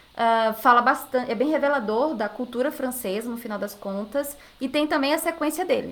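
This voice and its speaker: A woman's high voice moves at a moderate speed, its pitch varying in an ordinary way. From Brazil, Recife (Pernambuco). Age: 30s. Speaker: French teacher. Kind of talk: casual interview.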